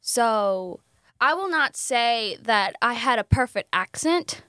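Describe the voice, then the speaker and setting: Giggly young woman, lively pitch. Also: slow pace, no room sound. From Honduras. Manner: giggly, rambling storyteller. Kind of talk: casual chat.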